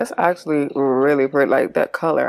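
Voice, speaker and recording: A woman's very deep, low-pitched voice with fairly even intonation. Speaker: beauty youtuber. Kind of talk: makeup tutorial. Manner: casual, chatty.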